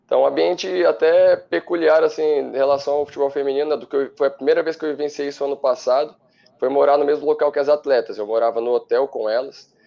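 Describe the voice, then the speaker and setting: A man in his thirties answers interview questions in long, fluent, well-ordered sentences. His mid-pitched voice is dark and carries some gravelly fry. The audio sounds a bit muffled, like a TV broadcast. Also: fairly even intonation. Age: 30s. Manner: articulate, fluent, measured explanations. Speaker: women's football coach, studio guest. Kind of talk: studio interview.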